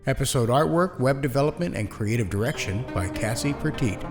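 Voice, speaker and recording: A man's voice: medium pitch, lively intonation, fairly quick, over music. A man reading scripted end credits and thanks as the producer of a podcast.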